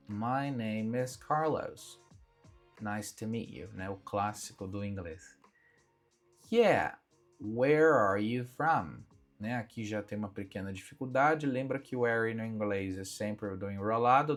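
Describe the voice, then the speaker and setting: A young Brazilian man giving a casual English lesson, chatting and repeating phrases slowly for students to copy. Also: on the low side. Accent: Brazilian Portuguese. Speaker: English teacher. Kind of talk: casual spoken language lesson. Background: faint background music.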